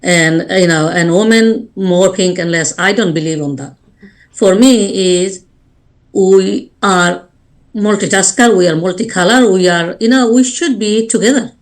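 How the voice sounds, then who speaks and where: A woman's voice: mid-range voice, a little slow. A woman from Bangladesh, speaking earnestly as a life coach and guest on a radio interview. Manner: earnest, speaks in short restarting phrases.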